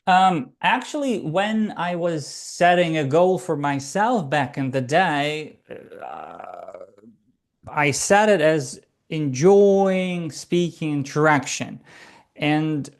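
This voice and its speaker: Slow-speaking reflective man. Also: on the high side, expressive, vocal fry. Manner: measured, reflective, with occasional light stutters and fillers. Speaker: guest, stuttering coach. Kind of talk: conversational interview.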